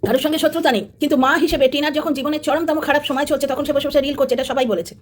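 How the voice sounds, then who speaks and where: Fast, high-pitched combative woman commentator. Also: steady tone. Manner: combative, sarcastic, addresses viewers directly. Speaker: commentary channel host. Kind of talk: opinionated commentary monologue.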